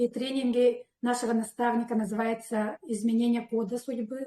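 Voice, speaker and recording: Her voice is high for a woman, with a dark, mellow tone. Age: 60s. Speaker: wellness product distributor. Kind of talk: casual chat.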